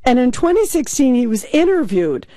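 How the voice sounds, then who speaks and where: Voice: high voice, sing-song, normal speed, dark tone, no room sound, clean studio sound. A talk radio host commenting emphatically and sounding incredulous, taking calls.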